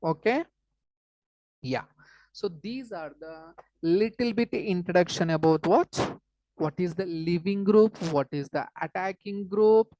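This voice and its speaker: A woman's voice: lowish voice, unhurried, warm tone, rough recording. A woman with a South Asian accent teaching informally as a chemistry teacher, explaining step by step, repeating phrases and checking understanding with short questions.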